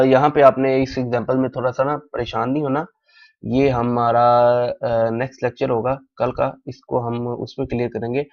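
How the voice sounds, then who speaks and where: A man teaching a language class, slowly repeating drill phrases again and again as in a recorded lecture, with Urdu as his first language. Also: mid-range voice. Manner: slow, repeats drill phrases many times. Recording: dull lo-fi recording.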